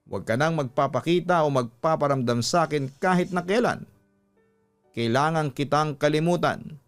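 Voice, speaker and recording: A man's voice: fairly high pitch, moderate pace, faint music behind, close to an everyday voice. A man voicing a betrayed Filipina wife, emotional and reproachful, in a radio-style story drama. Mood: pleading, wounded. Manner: emotional, reproachful, switching between Tagalog and English. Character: hurt, angry betrayed Filipina wife confronting her husband.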